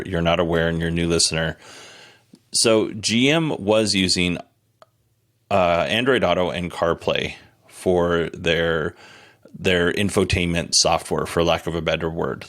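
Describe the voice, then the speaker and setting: A man's voice: sits low, a bit bright. A man hosting a podcast, giving casual, conversational news commentary in a candid, self-deprecating way. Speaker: podcast host.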